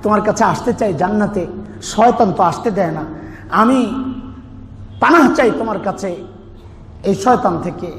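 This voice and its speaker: A Bangladeshi man delivers an Islamic sermon in a very high-pitched voice. He speaks emphatically yet conversationally, putting questions to his listeners as he explains scripture. The sound rings with long hall reverb over some background noise. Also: normal speed, pauses often, a bit bright. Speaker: Islamic preacher. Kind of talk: sermon explaining scripture with recitation and everyday analogies.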